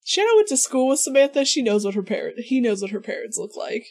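A woman's voice: fairly high pitch, very animated, fast talker, a little mellow, no echo, studio quality. A woman narrating as game master of a tabletop game, teasing and laughing often.

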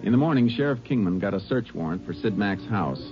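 A man playing a calm, shrewd Texas Ranger in a 1950s radio drama, laconic and persistent, on a muffled old radio recording. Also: fairly low pitch, brisk, music in the background, natural voice. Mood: matter-of-fact narration. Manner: laconic, matter-of-fact.

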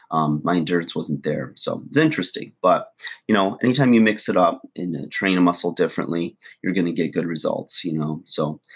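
A middle-aged fitness vlogger chats casually to camera in a deep, husky voice made hoarse and froggy by allergies. His talk is loose and full of ums.

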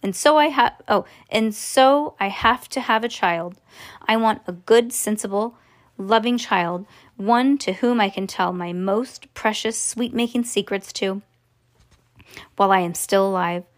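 A woman voicing an excitable, grand elderly male candy factory owner from a storybook, with an emphatic manner. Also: mid-range voice, unhurried, natural voice. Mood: earnest, confiding. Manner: emphatic, exclamatory.

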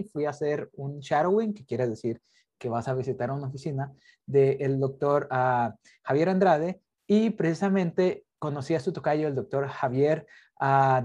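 Over a video call, a podcast host interviews a guest in casual, chatty conversation, friendly and a little teasing. The voice is mid-range and slightly mellow, and the audio comes across somewhat dull and lo-fi.

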